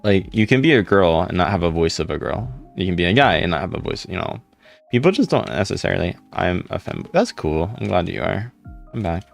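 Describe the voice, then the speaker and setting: A young man with a deep voice, casually chatting with viewers on a live stream. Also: vocal fry. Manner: laid-back, rambling, chatting to viewers. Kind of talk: casual live stream chat, reading comments. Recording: faint music in background.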